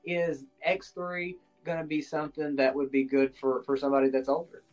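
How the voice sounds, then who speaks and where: A man hosts an interview with a slightly high voice. He asks his questions in a friendly, loose way, stumbling and restarting as he goes. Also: level tone, darkish tone, lo-fi sound, soft background music. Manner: friendly, halting, with frequent restarts and fillers. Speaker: podcast host.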